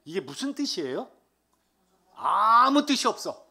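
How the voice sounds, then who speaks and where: This Seoul man in his sixties, a lay deacon, delivers a funny testimony at church in a high, slightly slow voice that is creaky with a breathy edge. A lively storyteller, he performs the voices of others as he quotes them.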